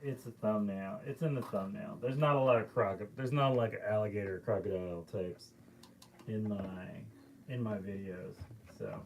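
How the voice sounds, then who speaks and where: A painter live streams from his art studio, chatting casually as he paints and rambling through loose stories packed with fillers. His lowish voice holds a steady tone at normal speed, with slight background noise.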